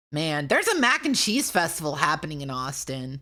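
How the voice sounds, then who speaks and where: A woman talks at a fairly quick pace with very wide pitch swings. Noticeable background noise is present. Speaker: streamer. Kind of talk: casual chat.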